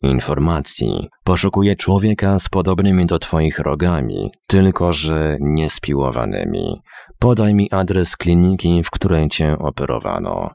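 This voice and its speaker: Man reading as a hard, unflappable veteran, deep and gravelly. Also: a little slow, no room sound, exaggerated voice. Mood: cool. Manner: calm, dry, cutting. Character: cool, hard former soldier, calm and cutting.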